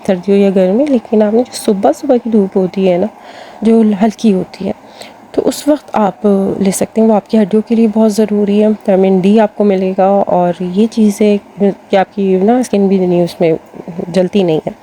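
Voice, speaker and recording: A woman with a Pakistani Urdu accent hosts lifestyle advice, chatting casually to her viewers as sisters and filling her talk with fillers. Her mid-range voice is steady and dark in tone, with slight background noise.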